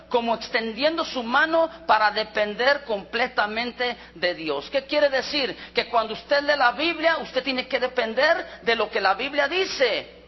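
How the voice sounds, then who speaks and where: Man, Mexican accent, pastor's sermon, very high voice, long church-hall reverb, dull muffled recording. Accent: Mexican Spanish. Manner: asks the congregation frequent rhetorical questions.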